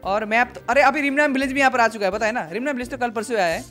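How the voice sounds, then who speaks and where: A young man with a high voice reacts to game footage in a chatty, excitable way, often calling out to his viewers. A little background music plays faintly behind him. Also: rapid-fire. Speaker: gaming YouTuber. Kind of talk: casual game reaction commentary.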